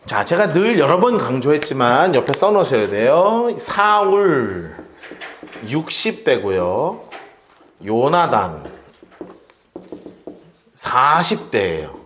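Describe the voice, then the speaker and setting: A man teaching a Bible study, retelling the story with vivid, lively asides. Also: mid-range voice, takes it slowly, long pauses, echoey room, a little hiss or hum. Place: church room.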